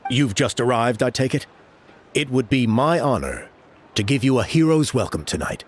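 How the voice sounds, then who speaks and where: An actor playing a stern, protective middle-aged tribal elder and father in a game, with a measured, formal way of speaking. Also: mid-range voice, lively intonation, a little hiss or hum, natural voice. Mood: gracious.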